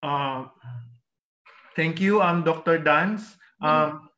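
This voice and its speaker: A middle-aged Filipino-accented man moderates a panel, reading questions in a halting way. His voice sits a bit high, and the video-call audio is dull and muffled. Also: pushed and bright, faint music behind. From Philippines. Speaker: press conference moderator. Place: indoor room on a video call. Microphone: video call microphone.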